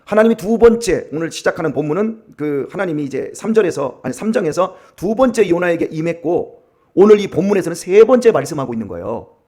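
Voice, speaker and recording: A male pastor giving an early-morning sermon, emphatic, swinging between loud and hushed. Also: sits high, big pitch swings, fairly quick. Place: church.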